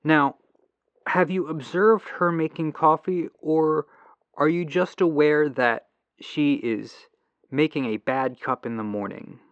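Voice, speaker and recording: A man playing a patient, earnest tech-support agent in a gentle, reassuring ASMR phone roleplay, through a lo-fi telephone filter. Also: on the high side, takes it slowly, clear, resonant tone, dry recording. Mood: attentive, curious. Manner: gentle, reassuring, apologetic, musing to himself. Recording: lo-fi muffled telephone sound.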